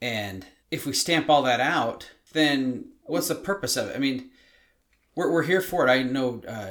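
In a normal speaking voice, a man keeps a moderate pace at a medium pitch, his pitch variation ordinary. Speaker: podcast co-host. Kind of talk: casual conversational podcast chat.

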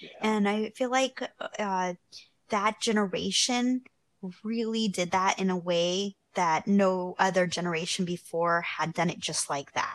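A woman with an unremarkable speaking voice talks fairly slowly at medium pitch with ordinary pitch variation. The sound is dry and close, without echo. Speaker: podcast co-host. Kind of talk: casual chat.

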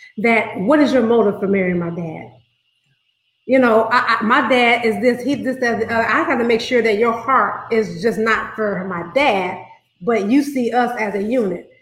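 Audible room echo surrounds a woman with a fairly high pitch. Her pace is moderate, with ordinary pitch variation. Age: 50s. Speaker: author and relationship speaker. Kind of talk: casual chat.

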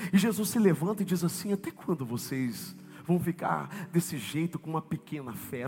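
With music in the background, a man speaks in an animated tone at a fairly high pitch, his voice swinging very widely in pitch. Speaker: pastor. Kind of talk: sermon. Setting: church.

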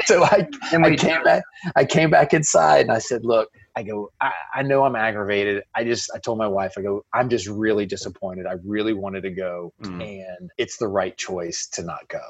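Over music in the background, a man with a fairly low pitch speaks at a moderate pace, with lively intonation and big swings in loudness. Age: 40s. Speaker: businessman in pharmaceutical sales. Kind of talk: casual chat.

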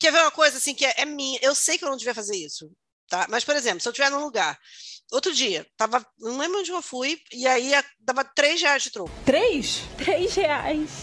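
Raised and projected, a woman's high-pitched voice carries a bright, sharp tone and lively intonation at a moderate pace. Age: 40s. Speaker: podcast host. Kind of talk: casual chat.

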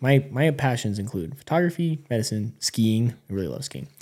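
A man with an American accent talks at a very fast pace in a medium-pitched, somewhat breathy voice. His tone is dark and mellow, and his pitch swings very widely. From Utah, US. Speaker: medical student and photographer. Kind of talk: casual chat.

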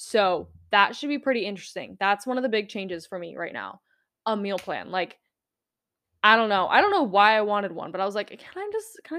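Against a quiet background, the speaker talks at a fairly quick pace with lively intonation. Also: woman. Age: 20s. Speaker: podcast host and coach. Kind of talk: casual solo chat. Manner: chatty, rambling with fillers.

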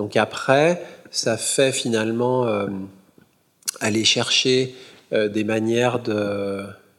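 Speaking at a very slow pace with long, frequent pauses, a man uses a medium pitch and fairly even intonation. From France. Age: 40s. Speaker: dancer and choreographer, dance school dean. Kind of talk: public talk, conversation.

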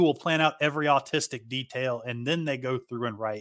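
A man with an Appalachian accent, medium-pitched and bright, sharp in tone, at a fairly quick pace, on a very clean recording with a silent background and a dry, close sound with no echo. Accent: Appalachian American. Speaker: book reviewer and writer. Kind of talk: casual chat.

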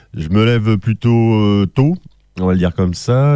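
Noticeable background noise sits behind a man speaking with ordinary pitch variation. The sound is dry and close, with no echo. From New Caledonia. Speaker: radio presenter and programmer. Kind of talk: interview.

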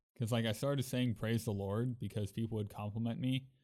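An ordinary speaking voice, a man with a fairly low pitch talks at a fairly quick pace with fairly even intonation in a very clean recording with a silent background. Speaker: podcast co-host and youth pastor. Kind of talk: casual chat.

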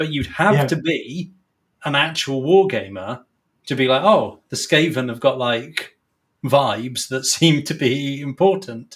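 A man with a fairly high pitch speaks at a fairly slow pace, his somewhat breathy voice carrying lively intonation. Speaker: podcaster. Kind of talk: casual interview chat.

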